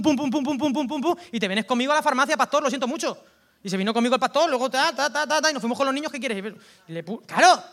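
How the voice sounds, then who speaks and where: A man with a Valencian Spanish accent, preaching a lively, colloquial sermon that swings from loud outbursts to hushed asides. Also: very high voice. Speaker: pastor.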